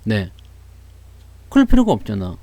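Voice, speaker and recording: A man's voice: fairly low pitch, huge pitch swings, normal speed, gravelly, warm tone, no room sound. A man who speaks with a Jeolla dialect, hosting a casual stock market livestream, greeting viewers and laughing often. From Seoul, South Korea.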